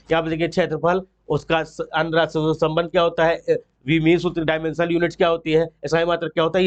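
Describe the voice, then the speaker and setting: A man presenting an exam-prep book walkthrough in an informal, explanatory way, mixing in English terms. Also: on the high side. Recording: dull, lo-fi sound.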